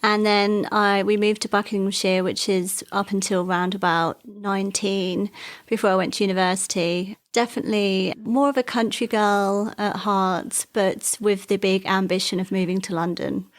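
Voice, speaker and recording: A woman born in Wales, a guest in an interview, recounting her career in a relaxed, chatty way. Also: medium pitch, moderate pace. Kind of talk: interview conversation.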